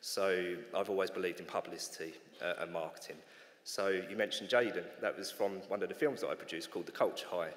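Audible room echo surrounds a man who talks at a very fast pace. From UK. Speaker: drug policy campaigner. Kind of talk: conference panel discussion. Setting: stage with audience. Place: hall. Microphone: podium.

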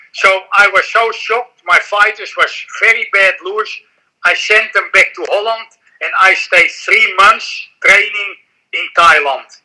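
With a Dutch accent, a man speaks fairly slowly with long, frequent pauses against a quiet background. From Netherlands. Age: 70s. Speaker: martial arts trainer and gym owner. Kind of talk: interview. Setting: video call. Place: home room.

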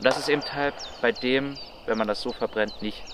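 At a fairly slow pace, a man speaks in a dry sound with no echo, with light background noise. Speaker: firewood vlogger. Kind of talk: explanatory vlog talk. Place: forest.

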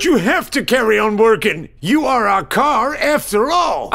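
A man shouts in a put-on character voice at an extremely high pitch. His pace is moderate. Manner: exasperated, fussy.

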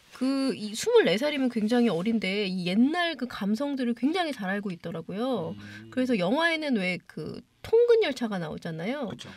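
Pitch swings very widely in a woman's fairly high, animated voice. She keeps a moderate pace. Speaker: entertainment reporter and co-host. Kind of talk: casual chat. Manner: animated, laughs often.

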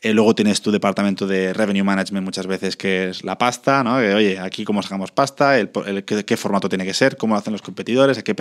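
Very fast and fairly low-pitched, a man talks with ordinary pitch variation. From Spain, Barcelona. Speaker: marketing manager and networking event co-founder. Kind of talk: interview. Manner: animated.

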